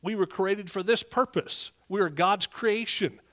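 A man's voice: sits high, a little slow, a bit bright. A middle-aged man with an East Texas accent preaching a sermon in a folksy, emphatic way, prompting listeners as he goes.

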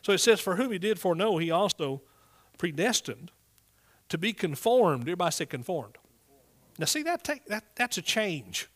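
Preacher, male, middle age. East Texas accent, pitch a little high, folksy and emphatic sermon style. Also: sing-song, moderate pace, a bit bright. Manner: folksy, emphatic, prompts listeners with amens and hallelujahs.

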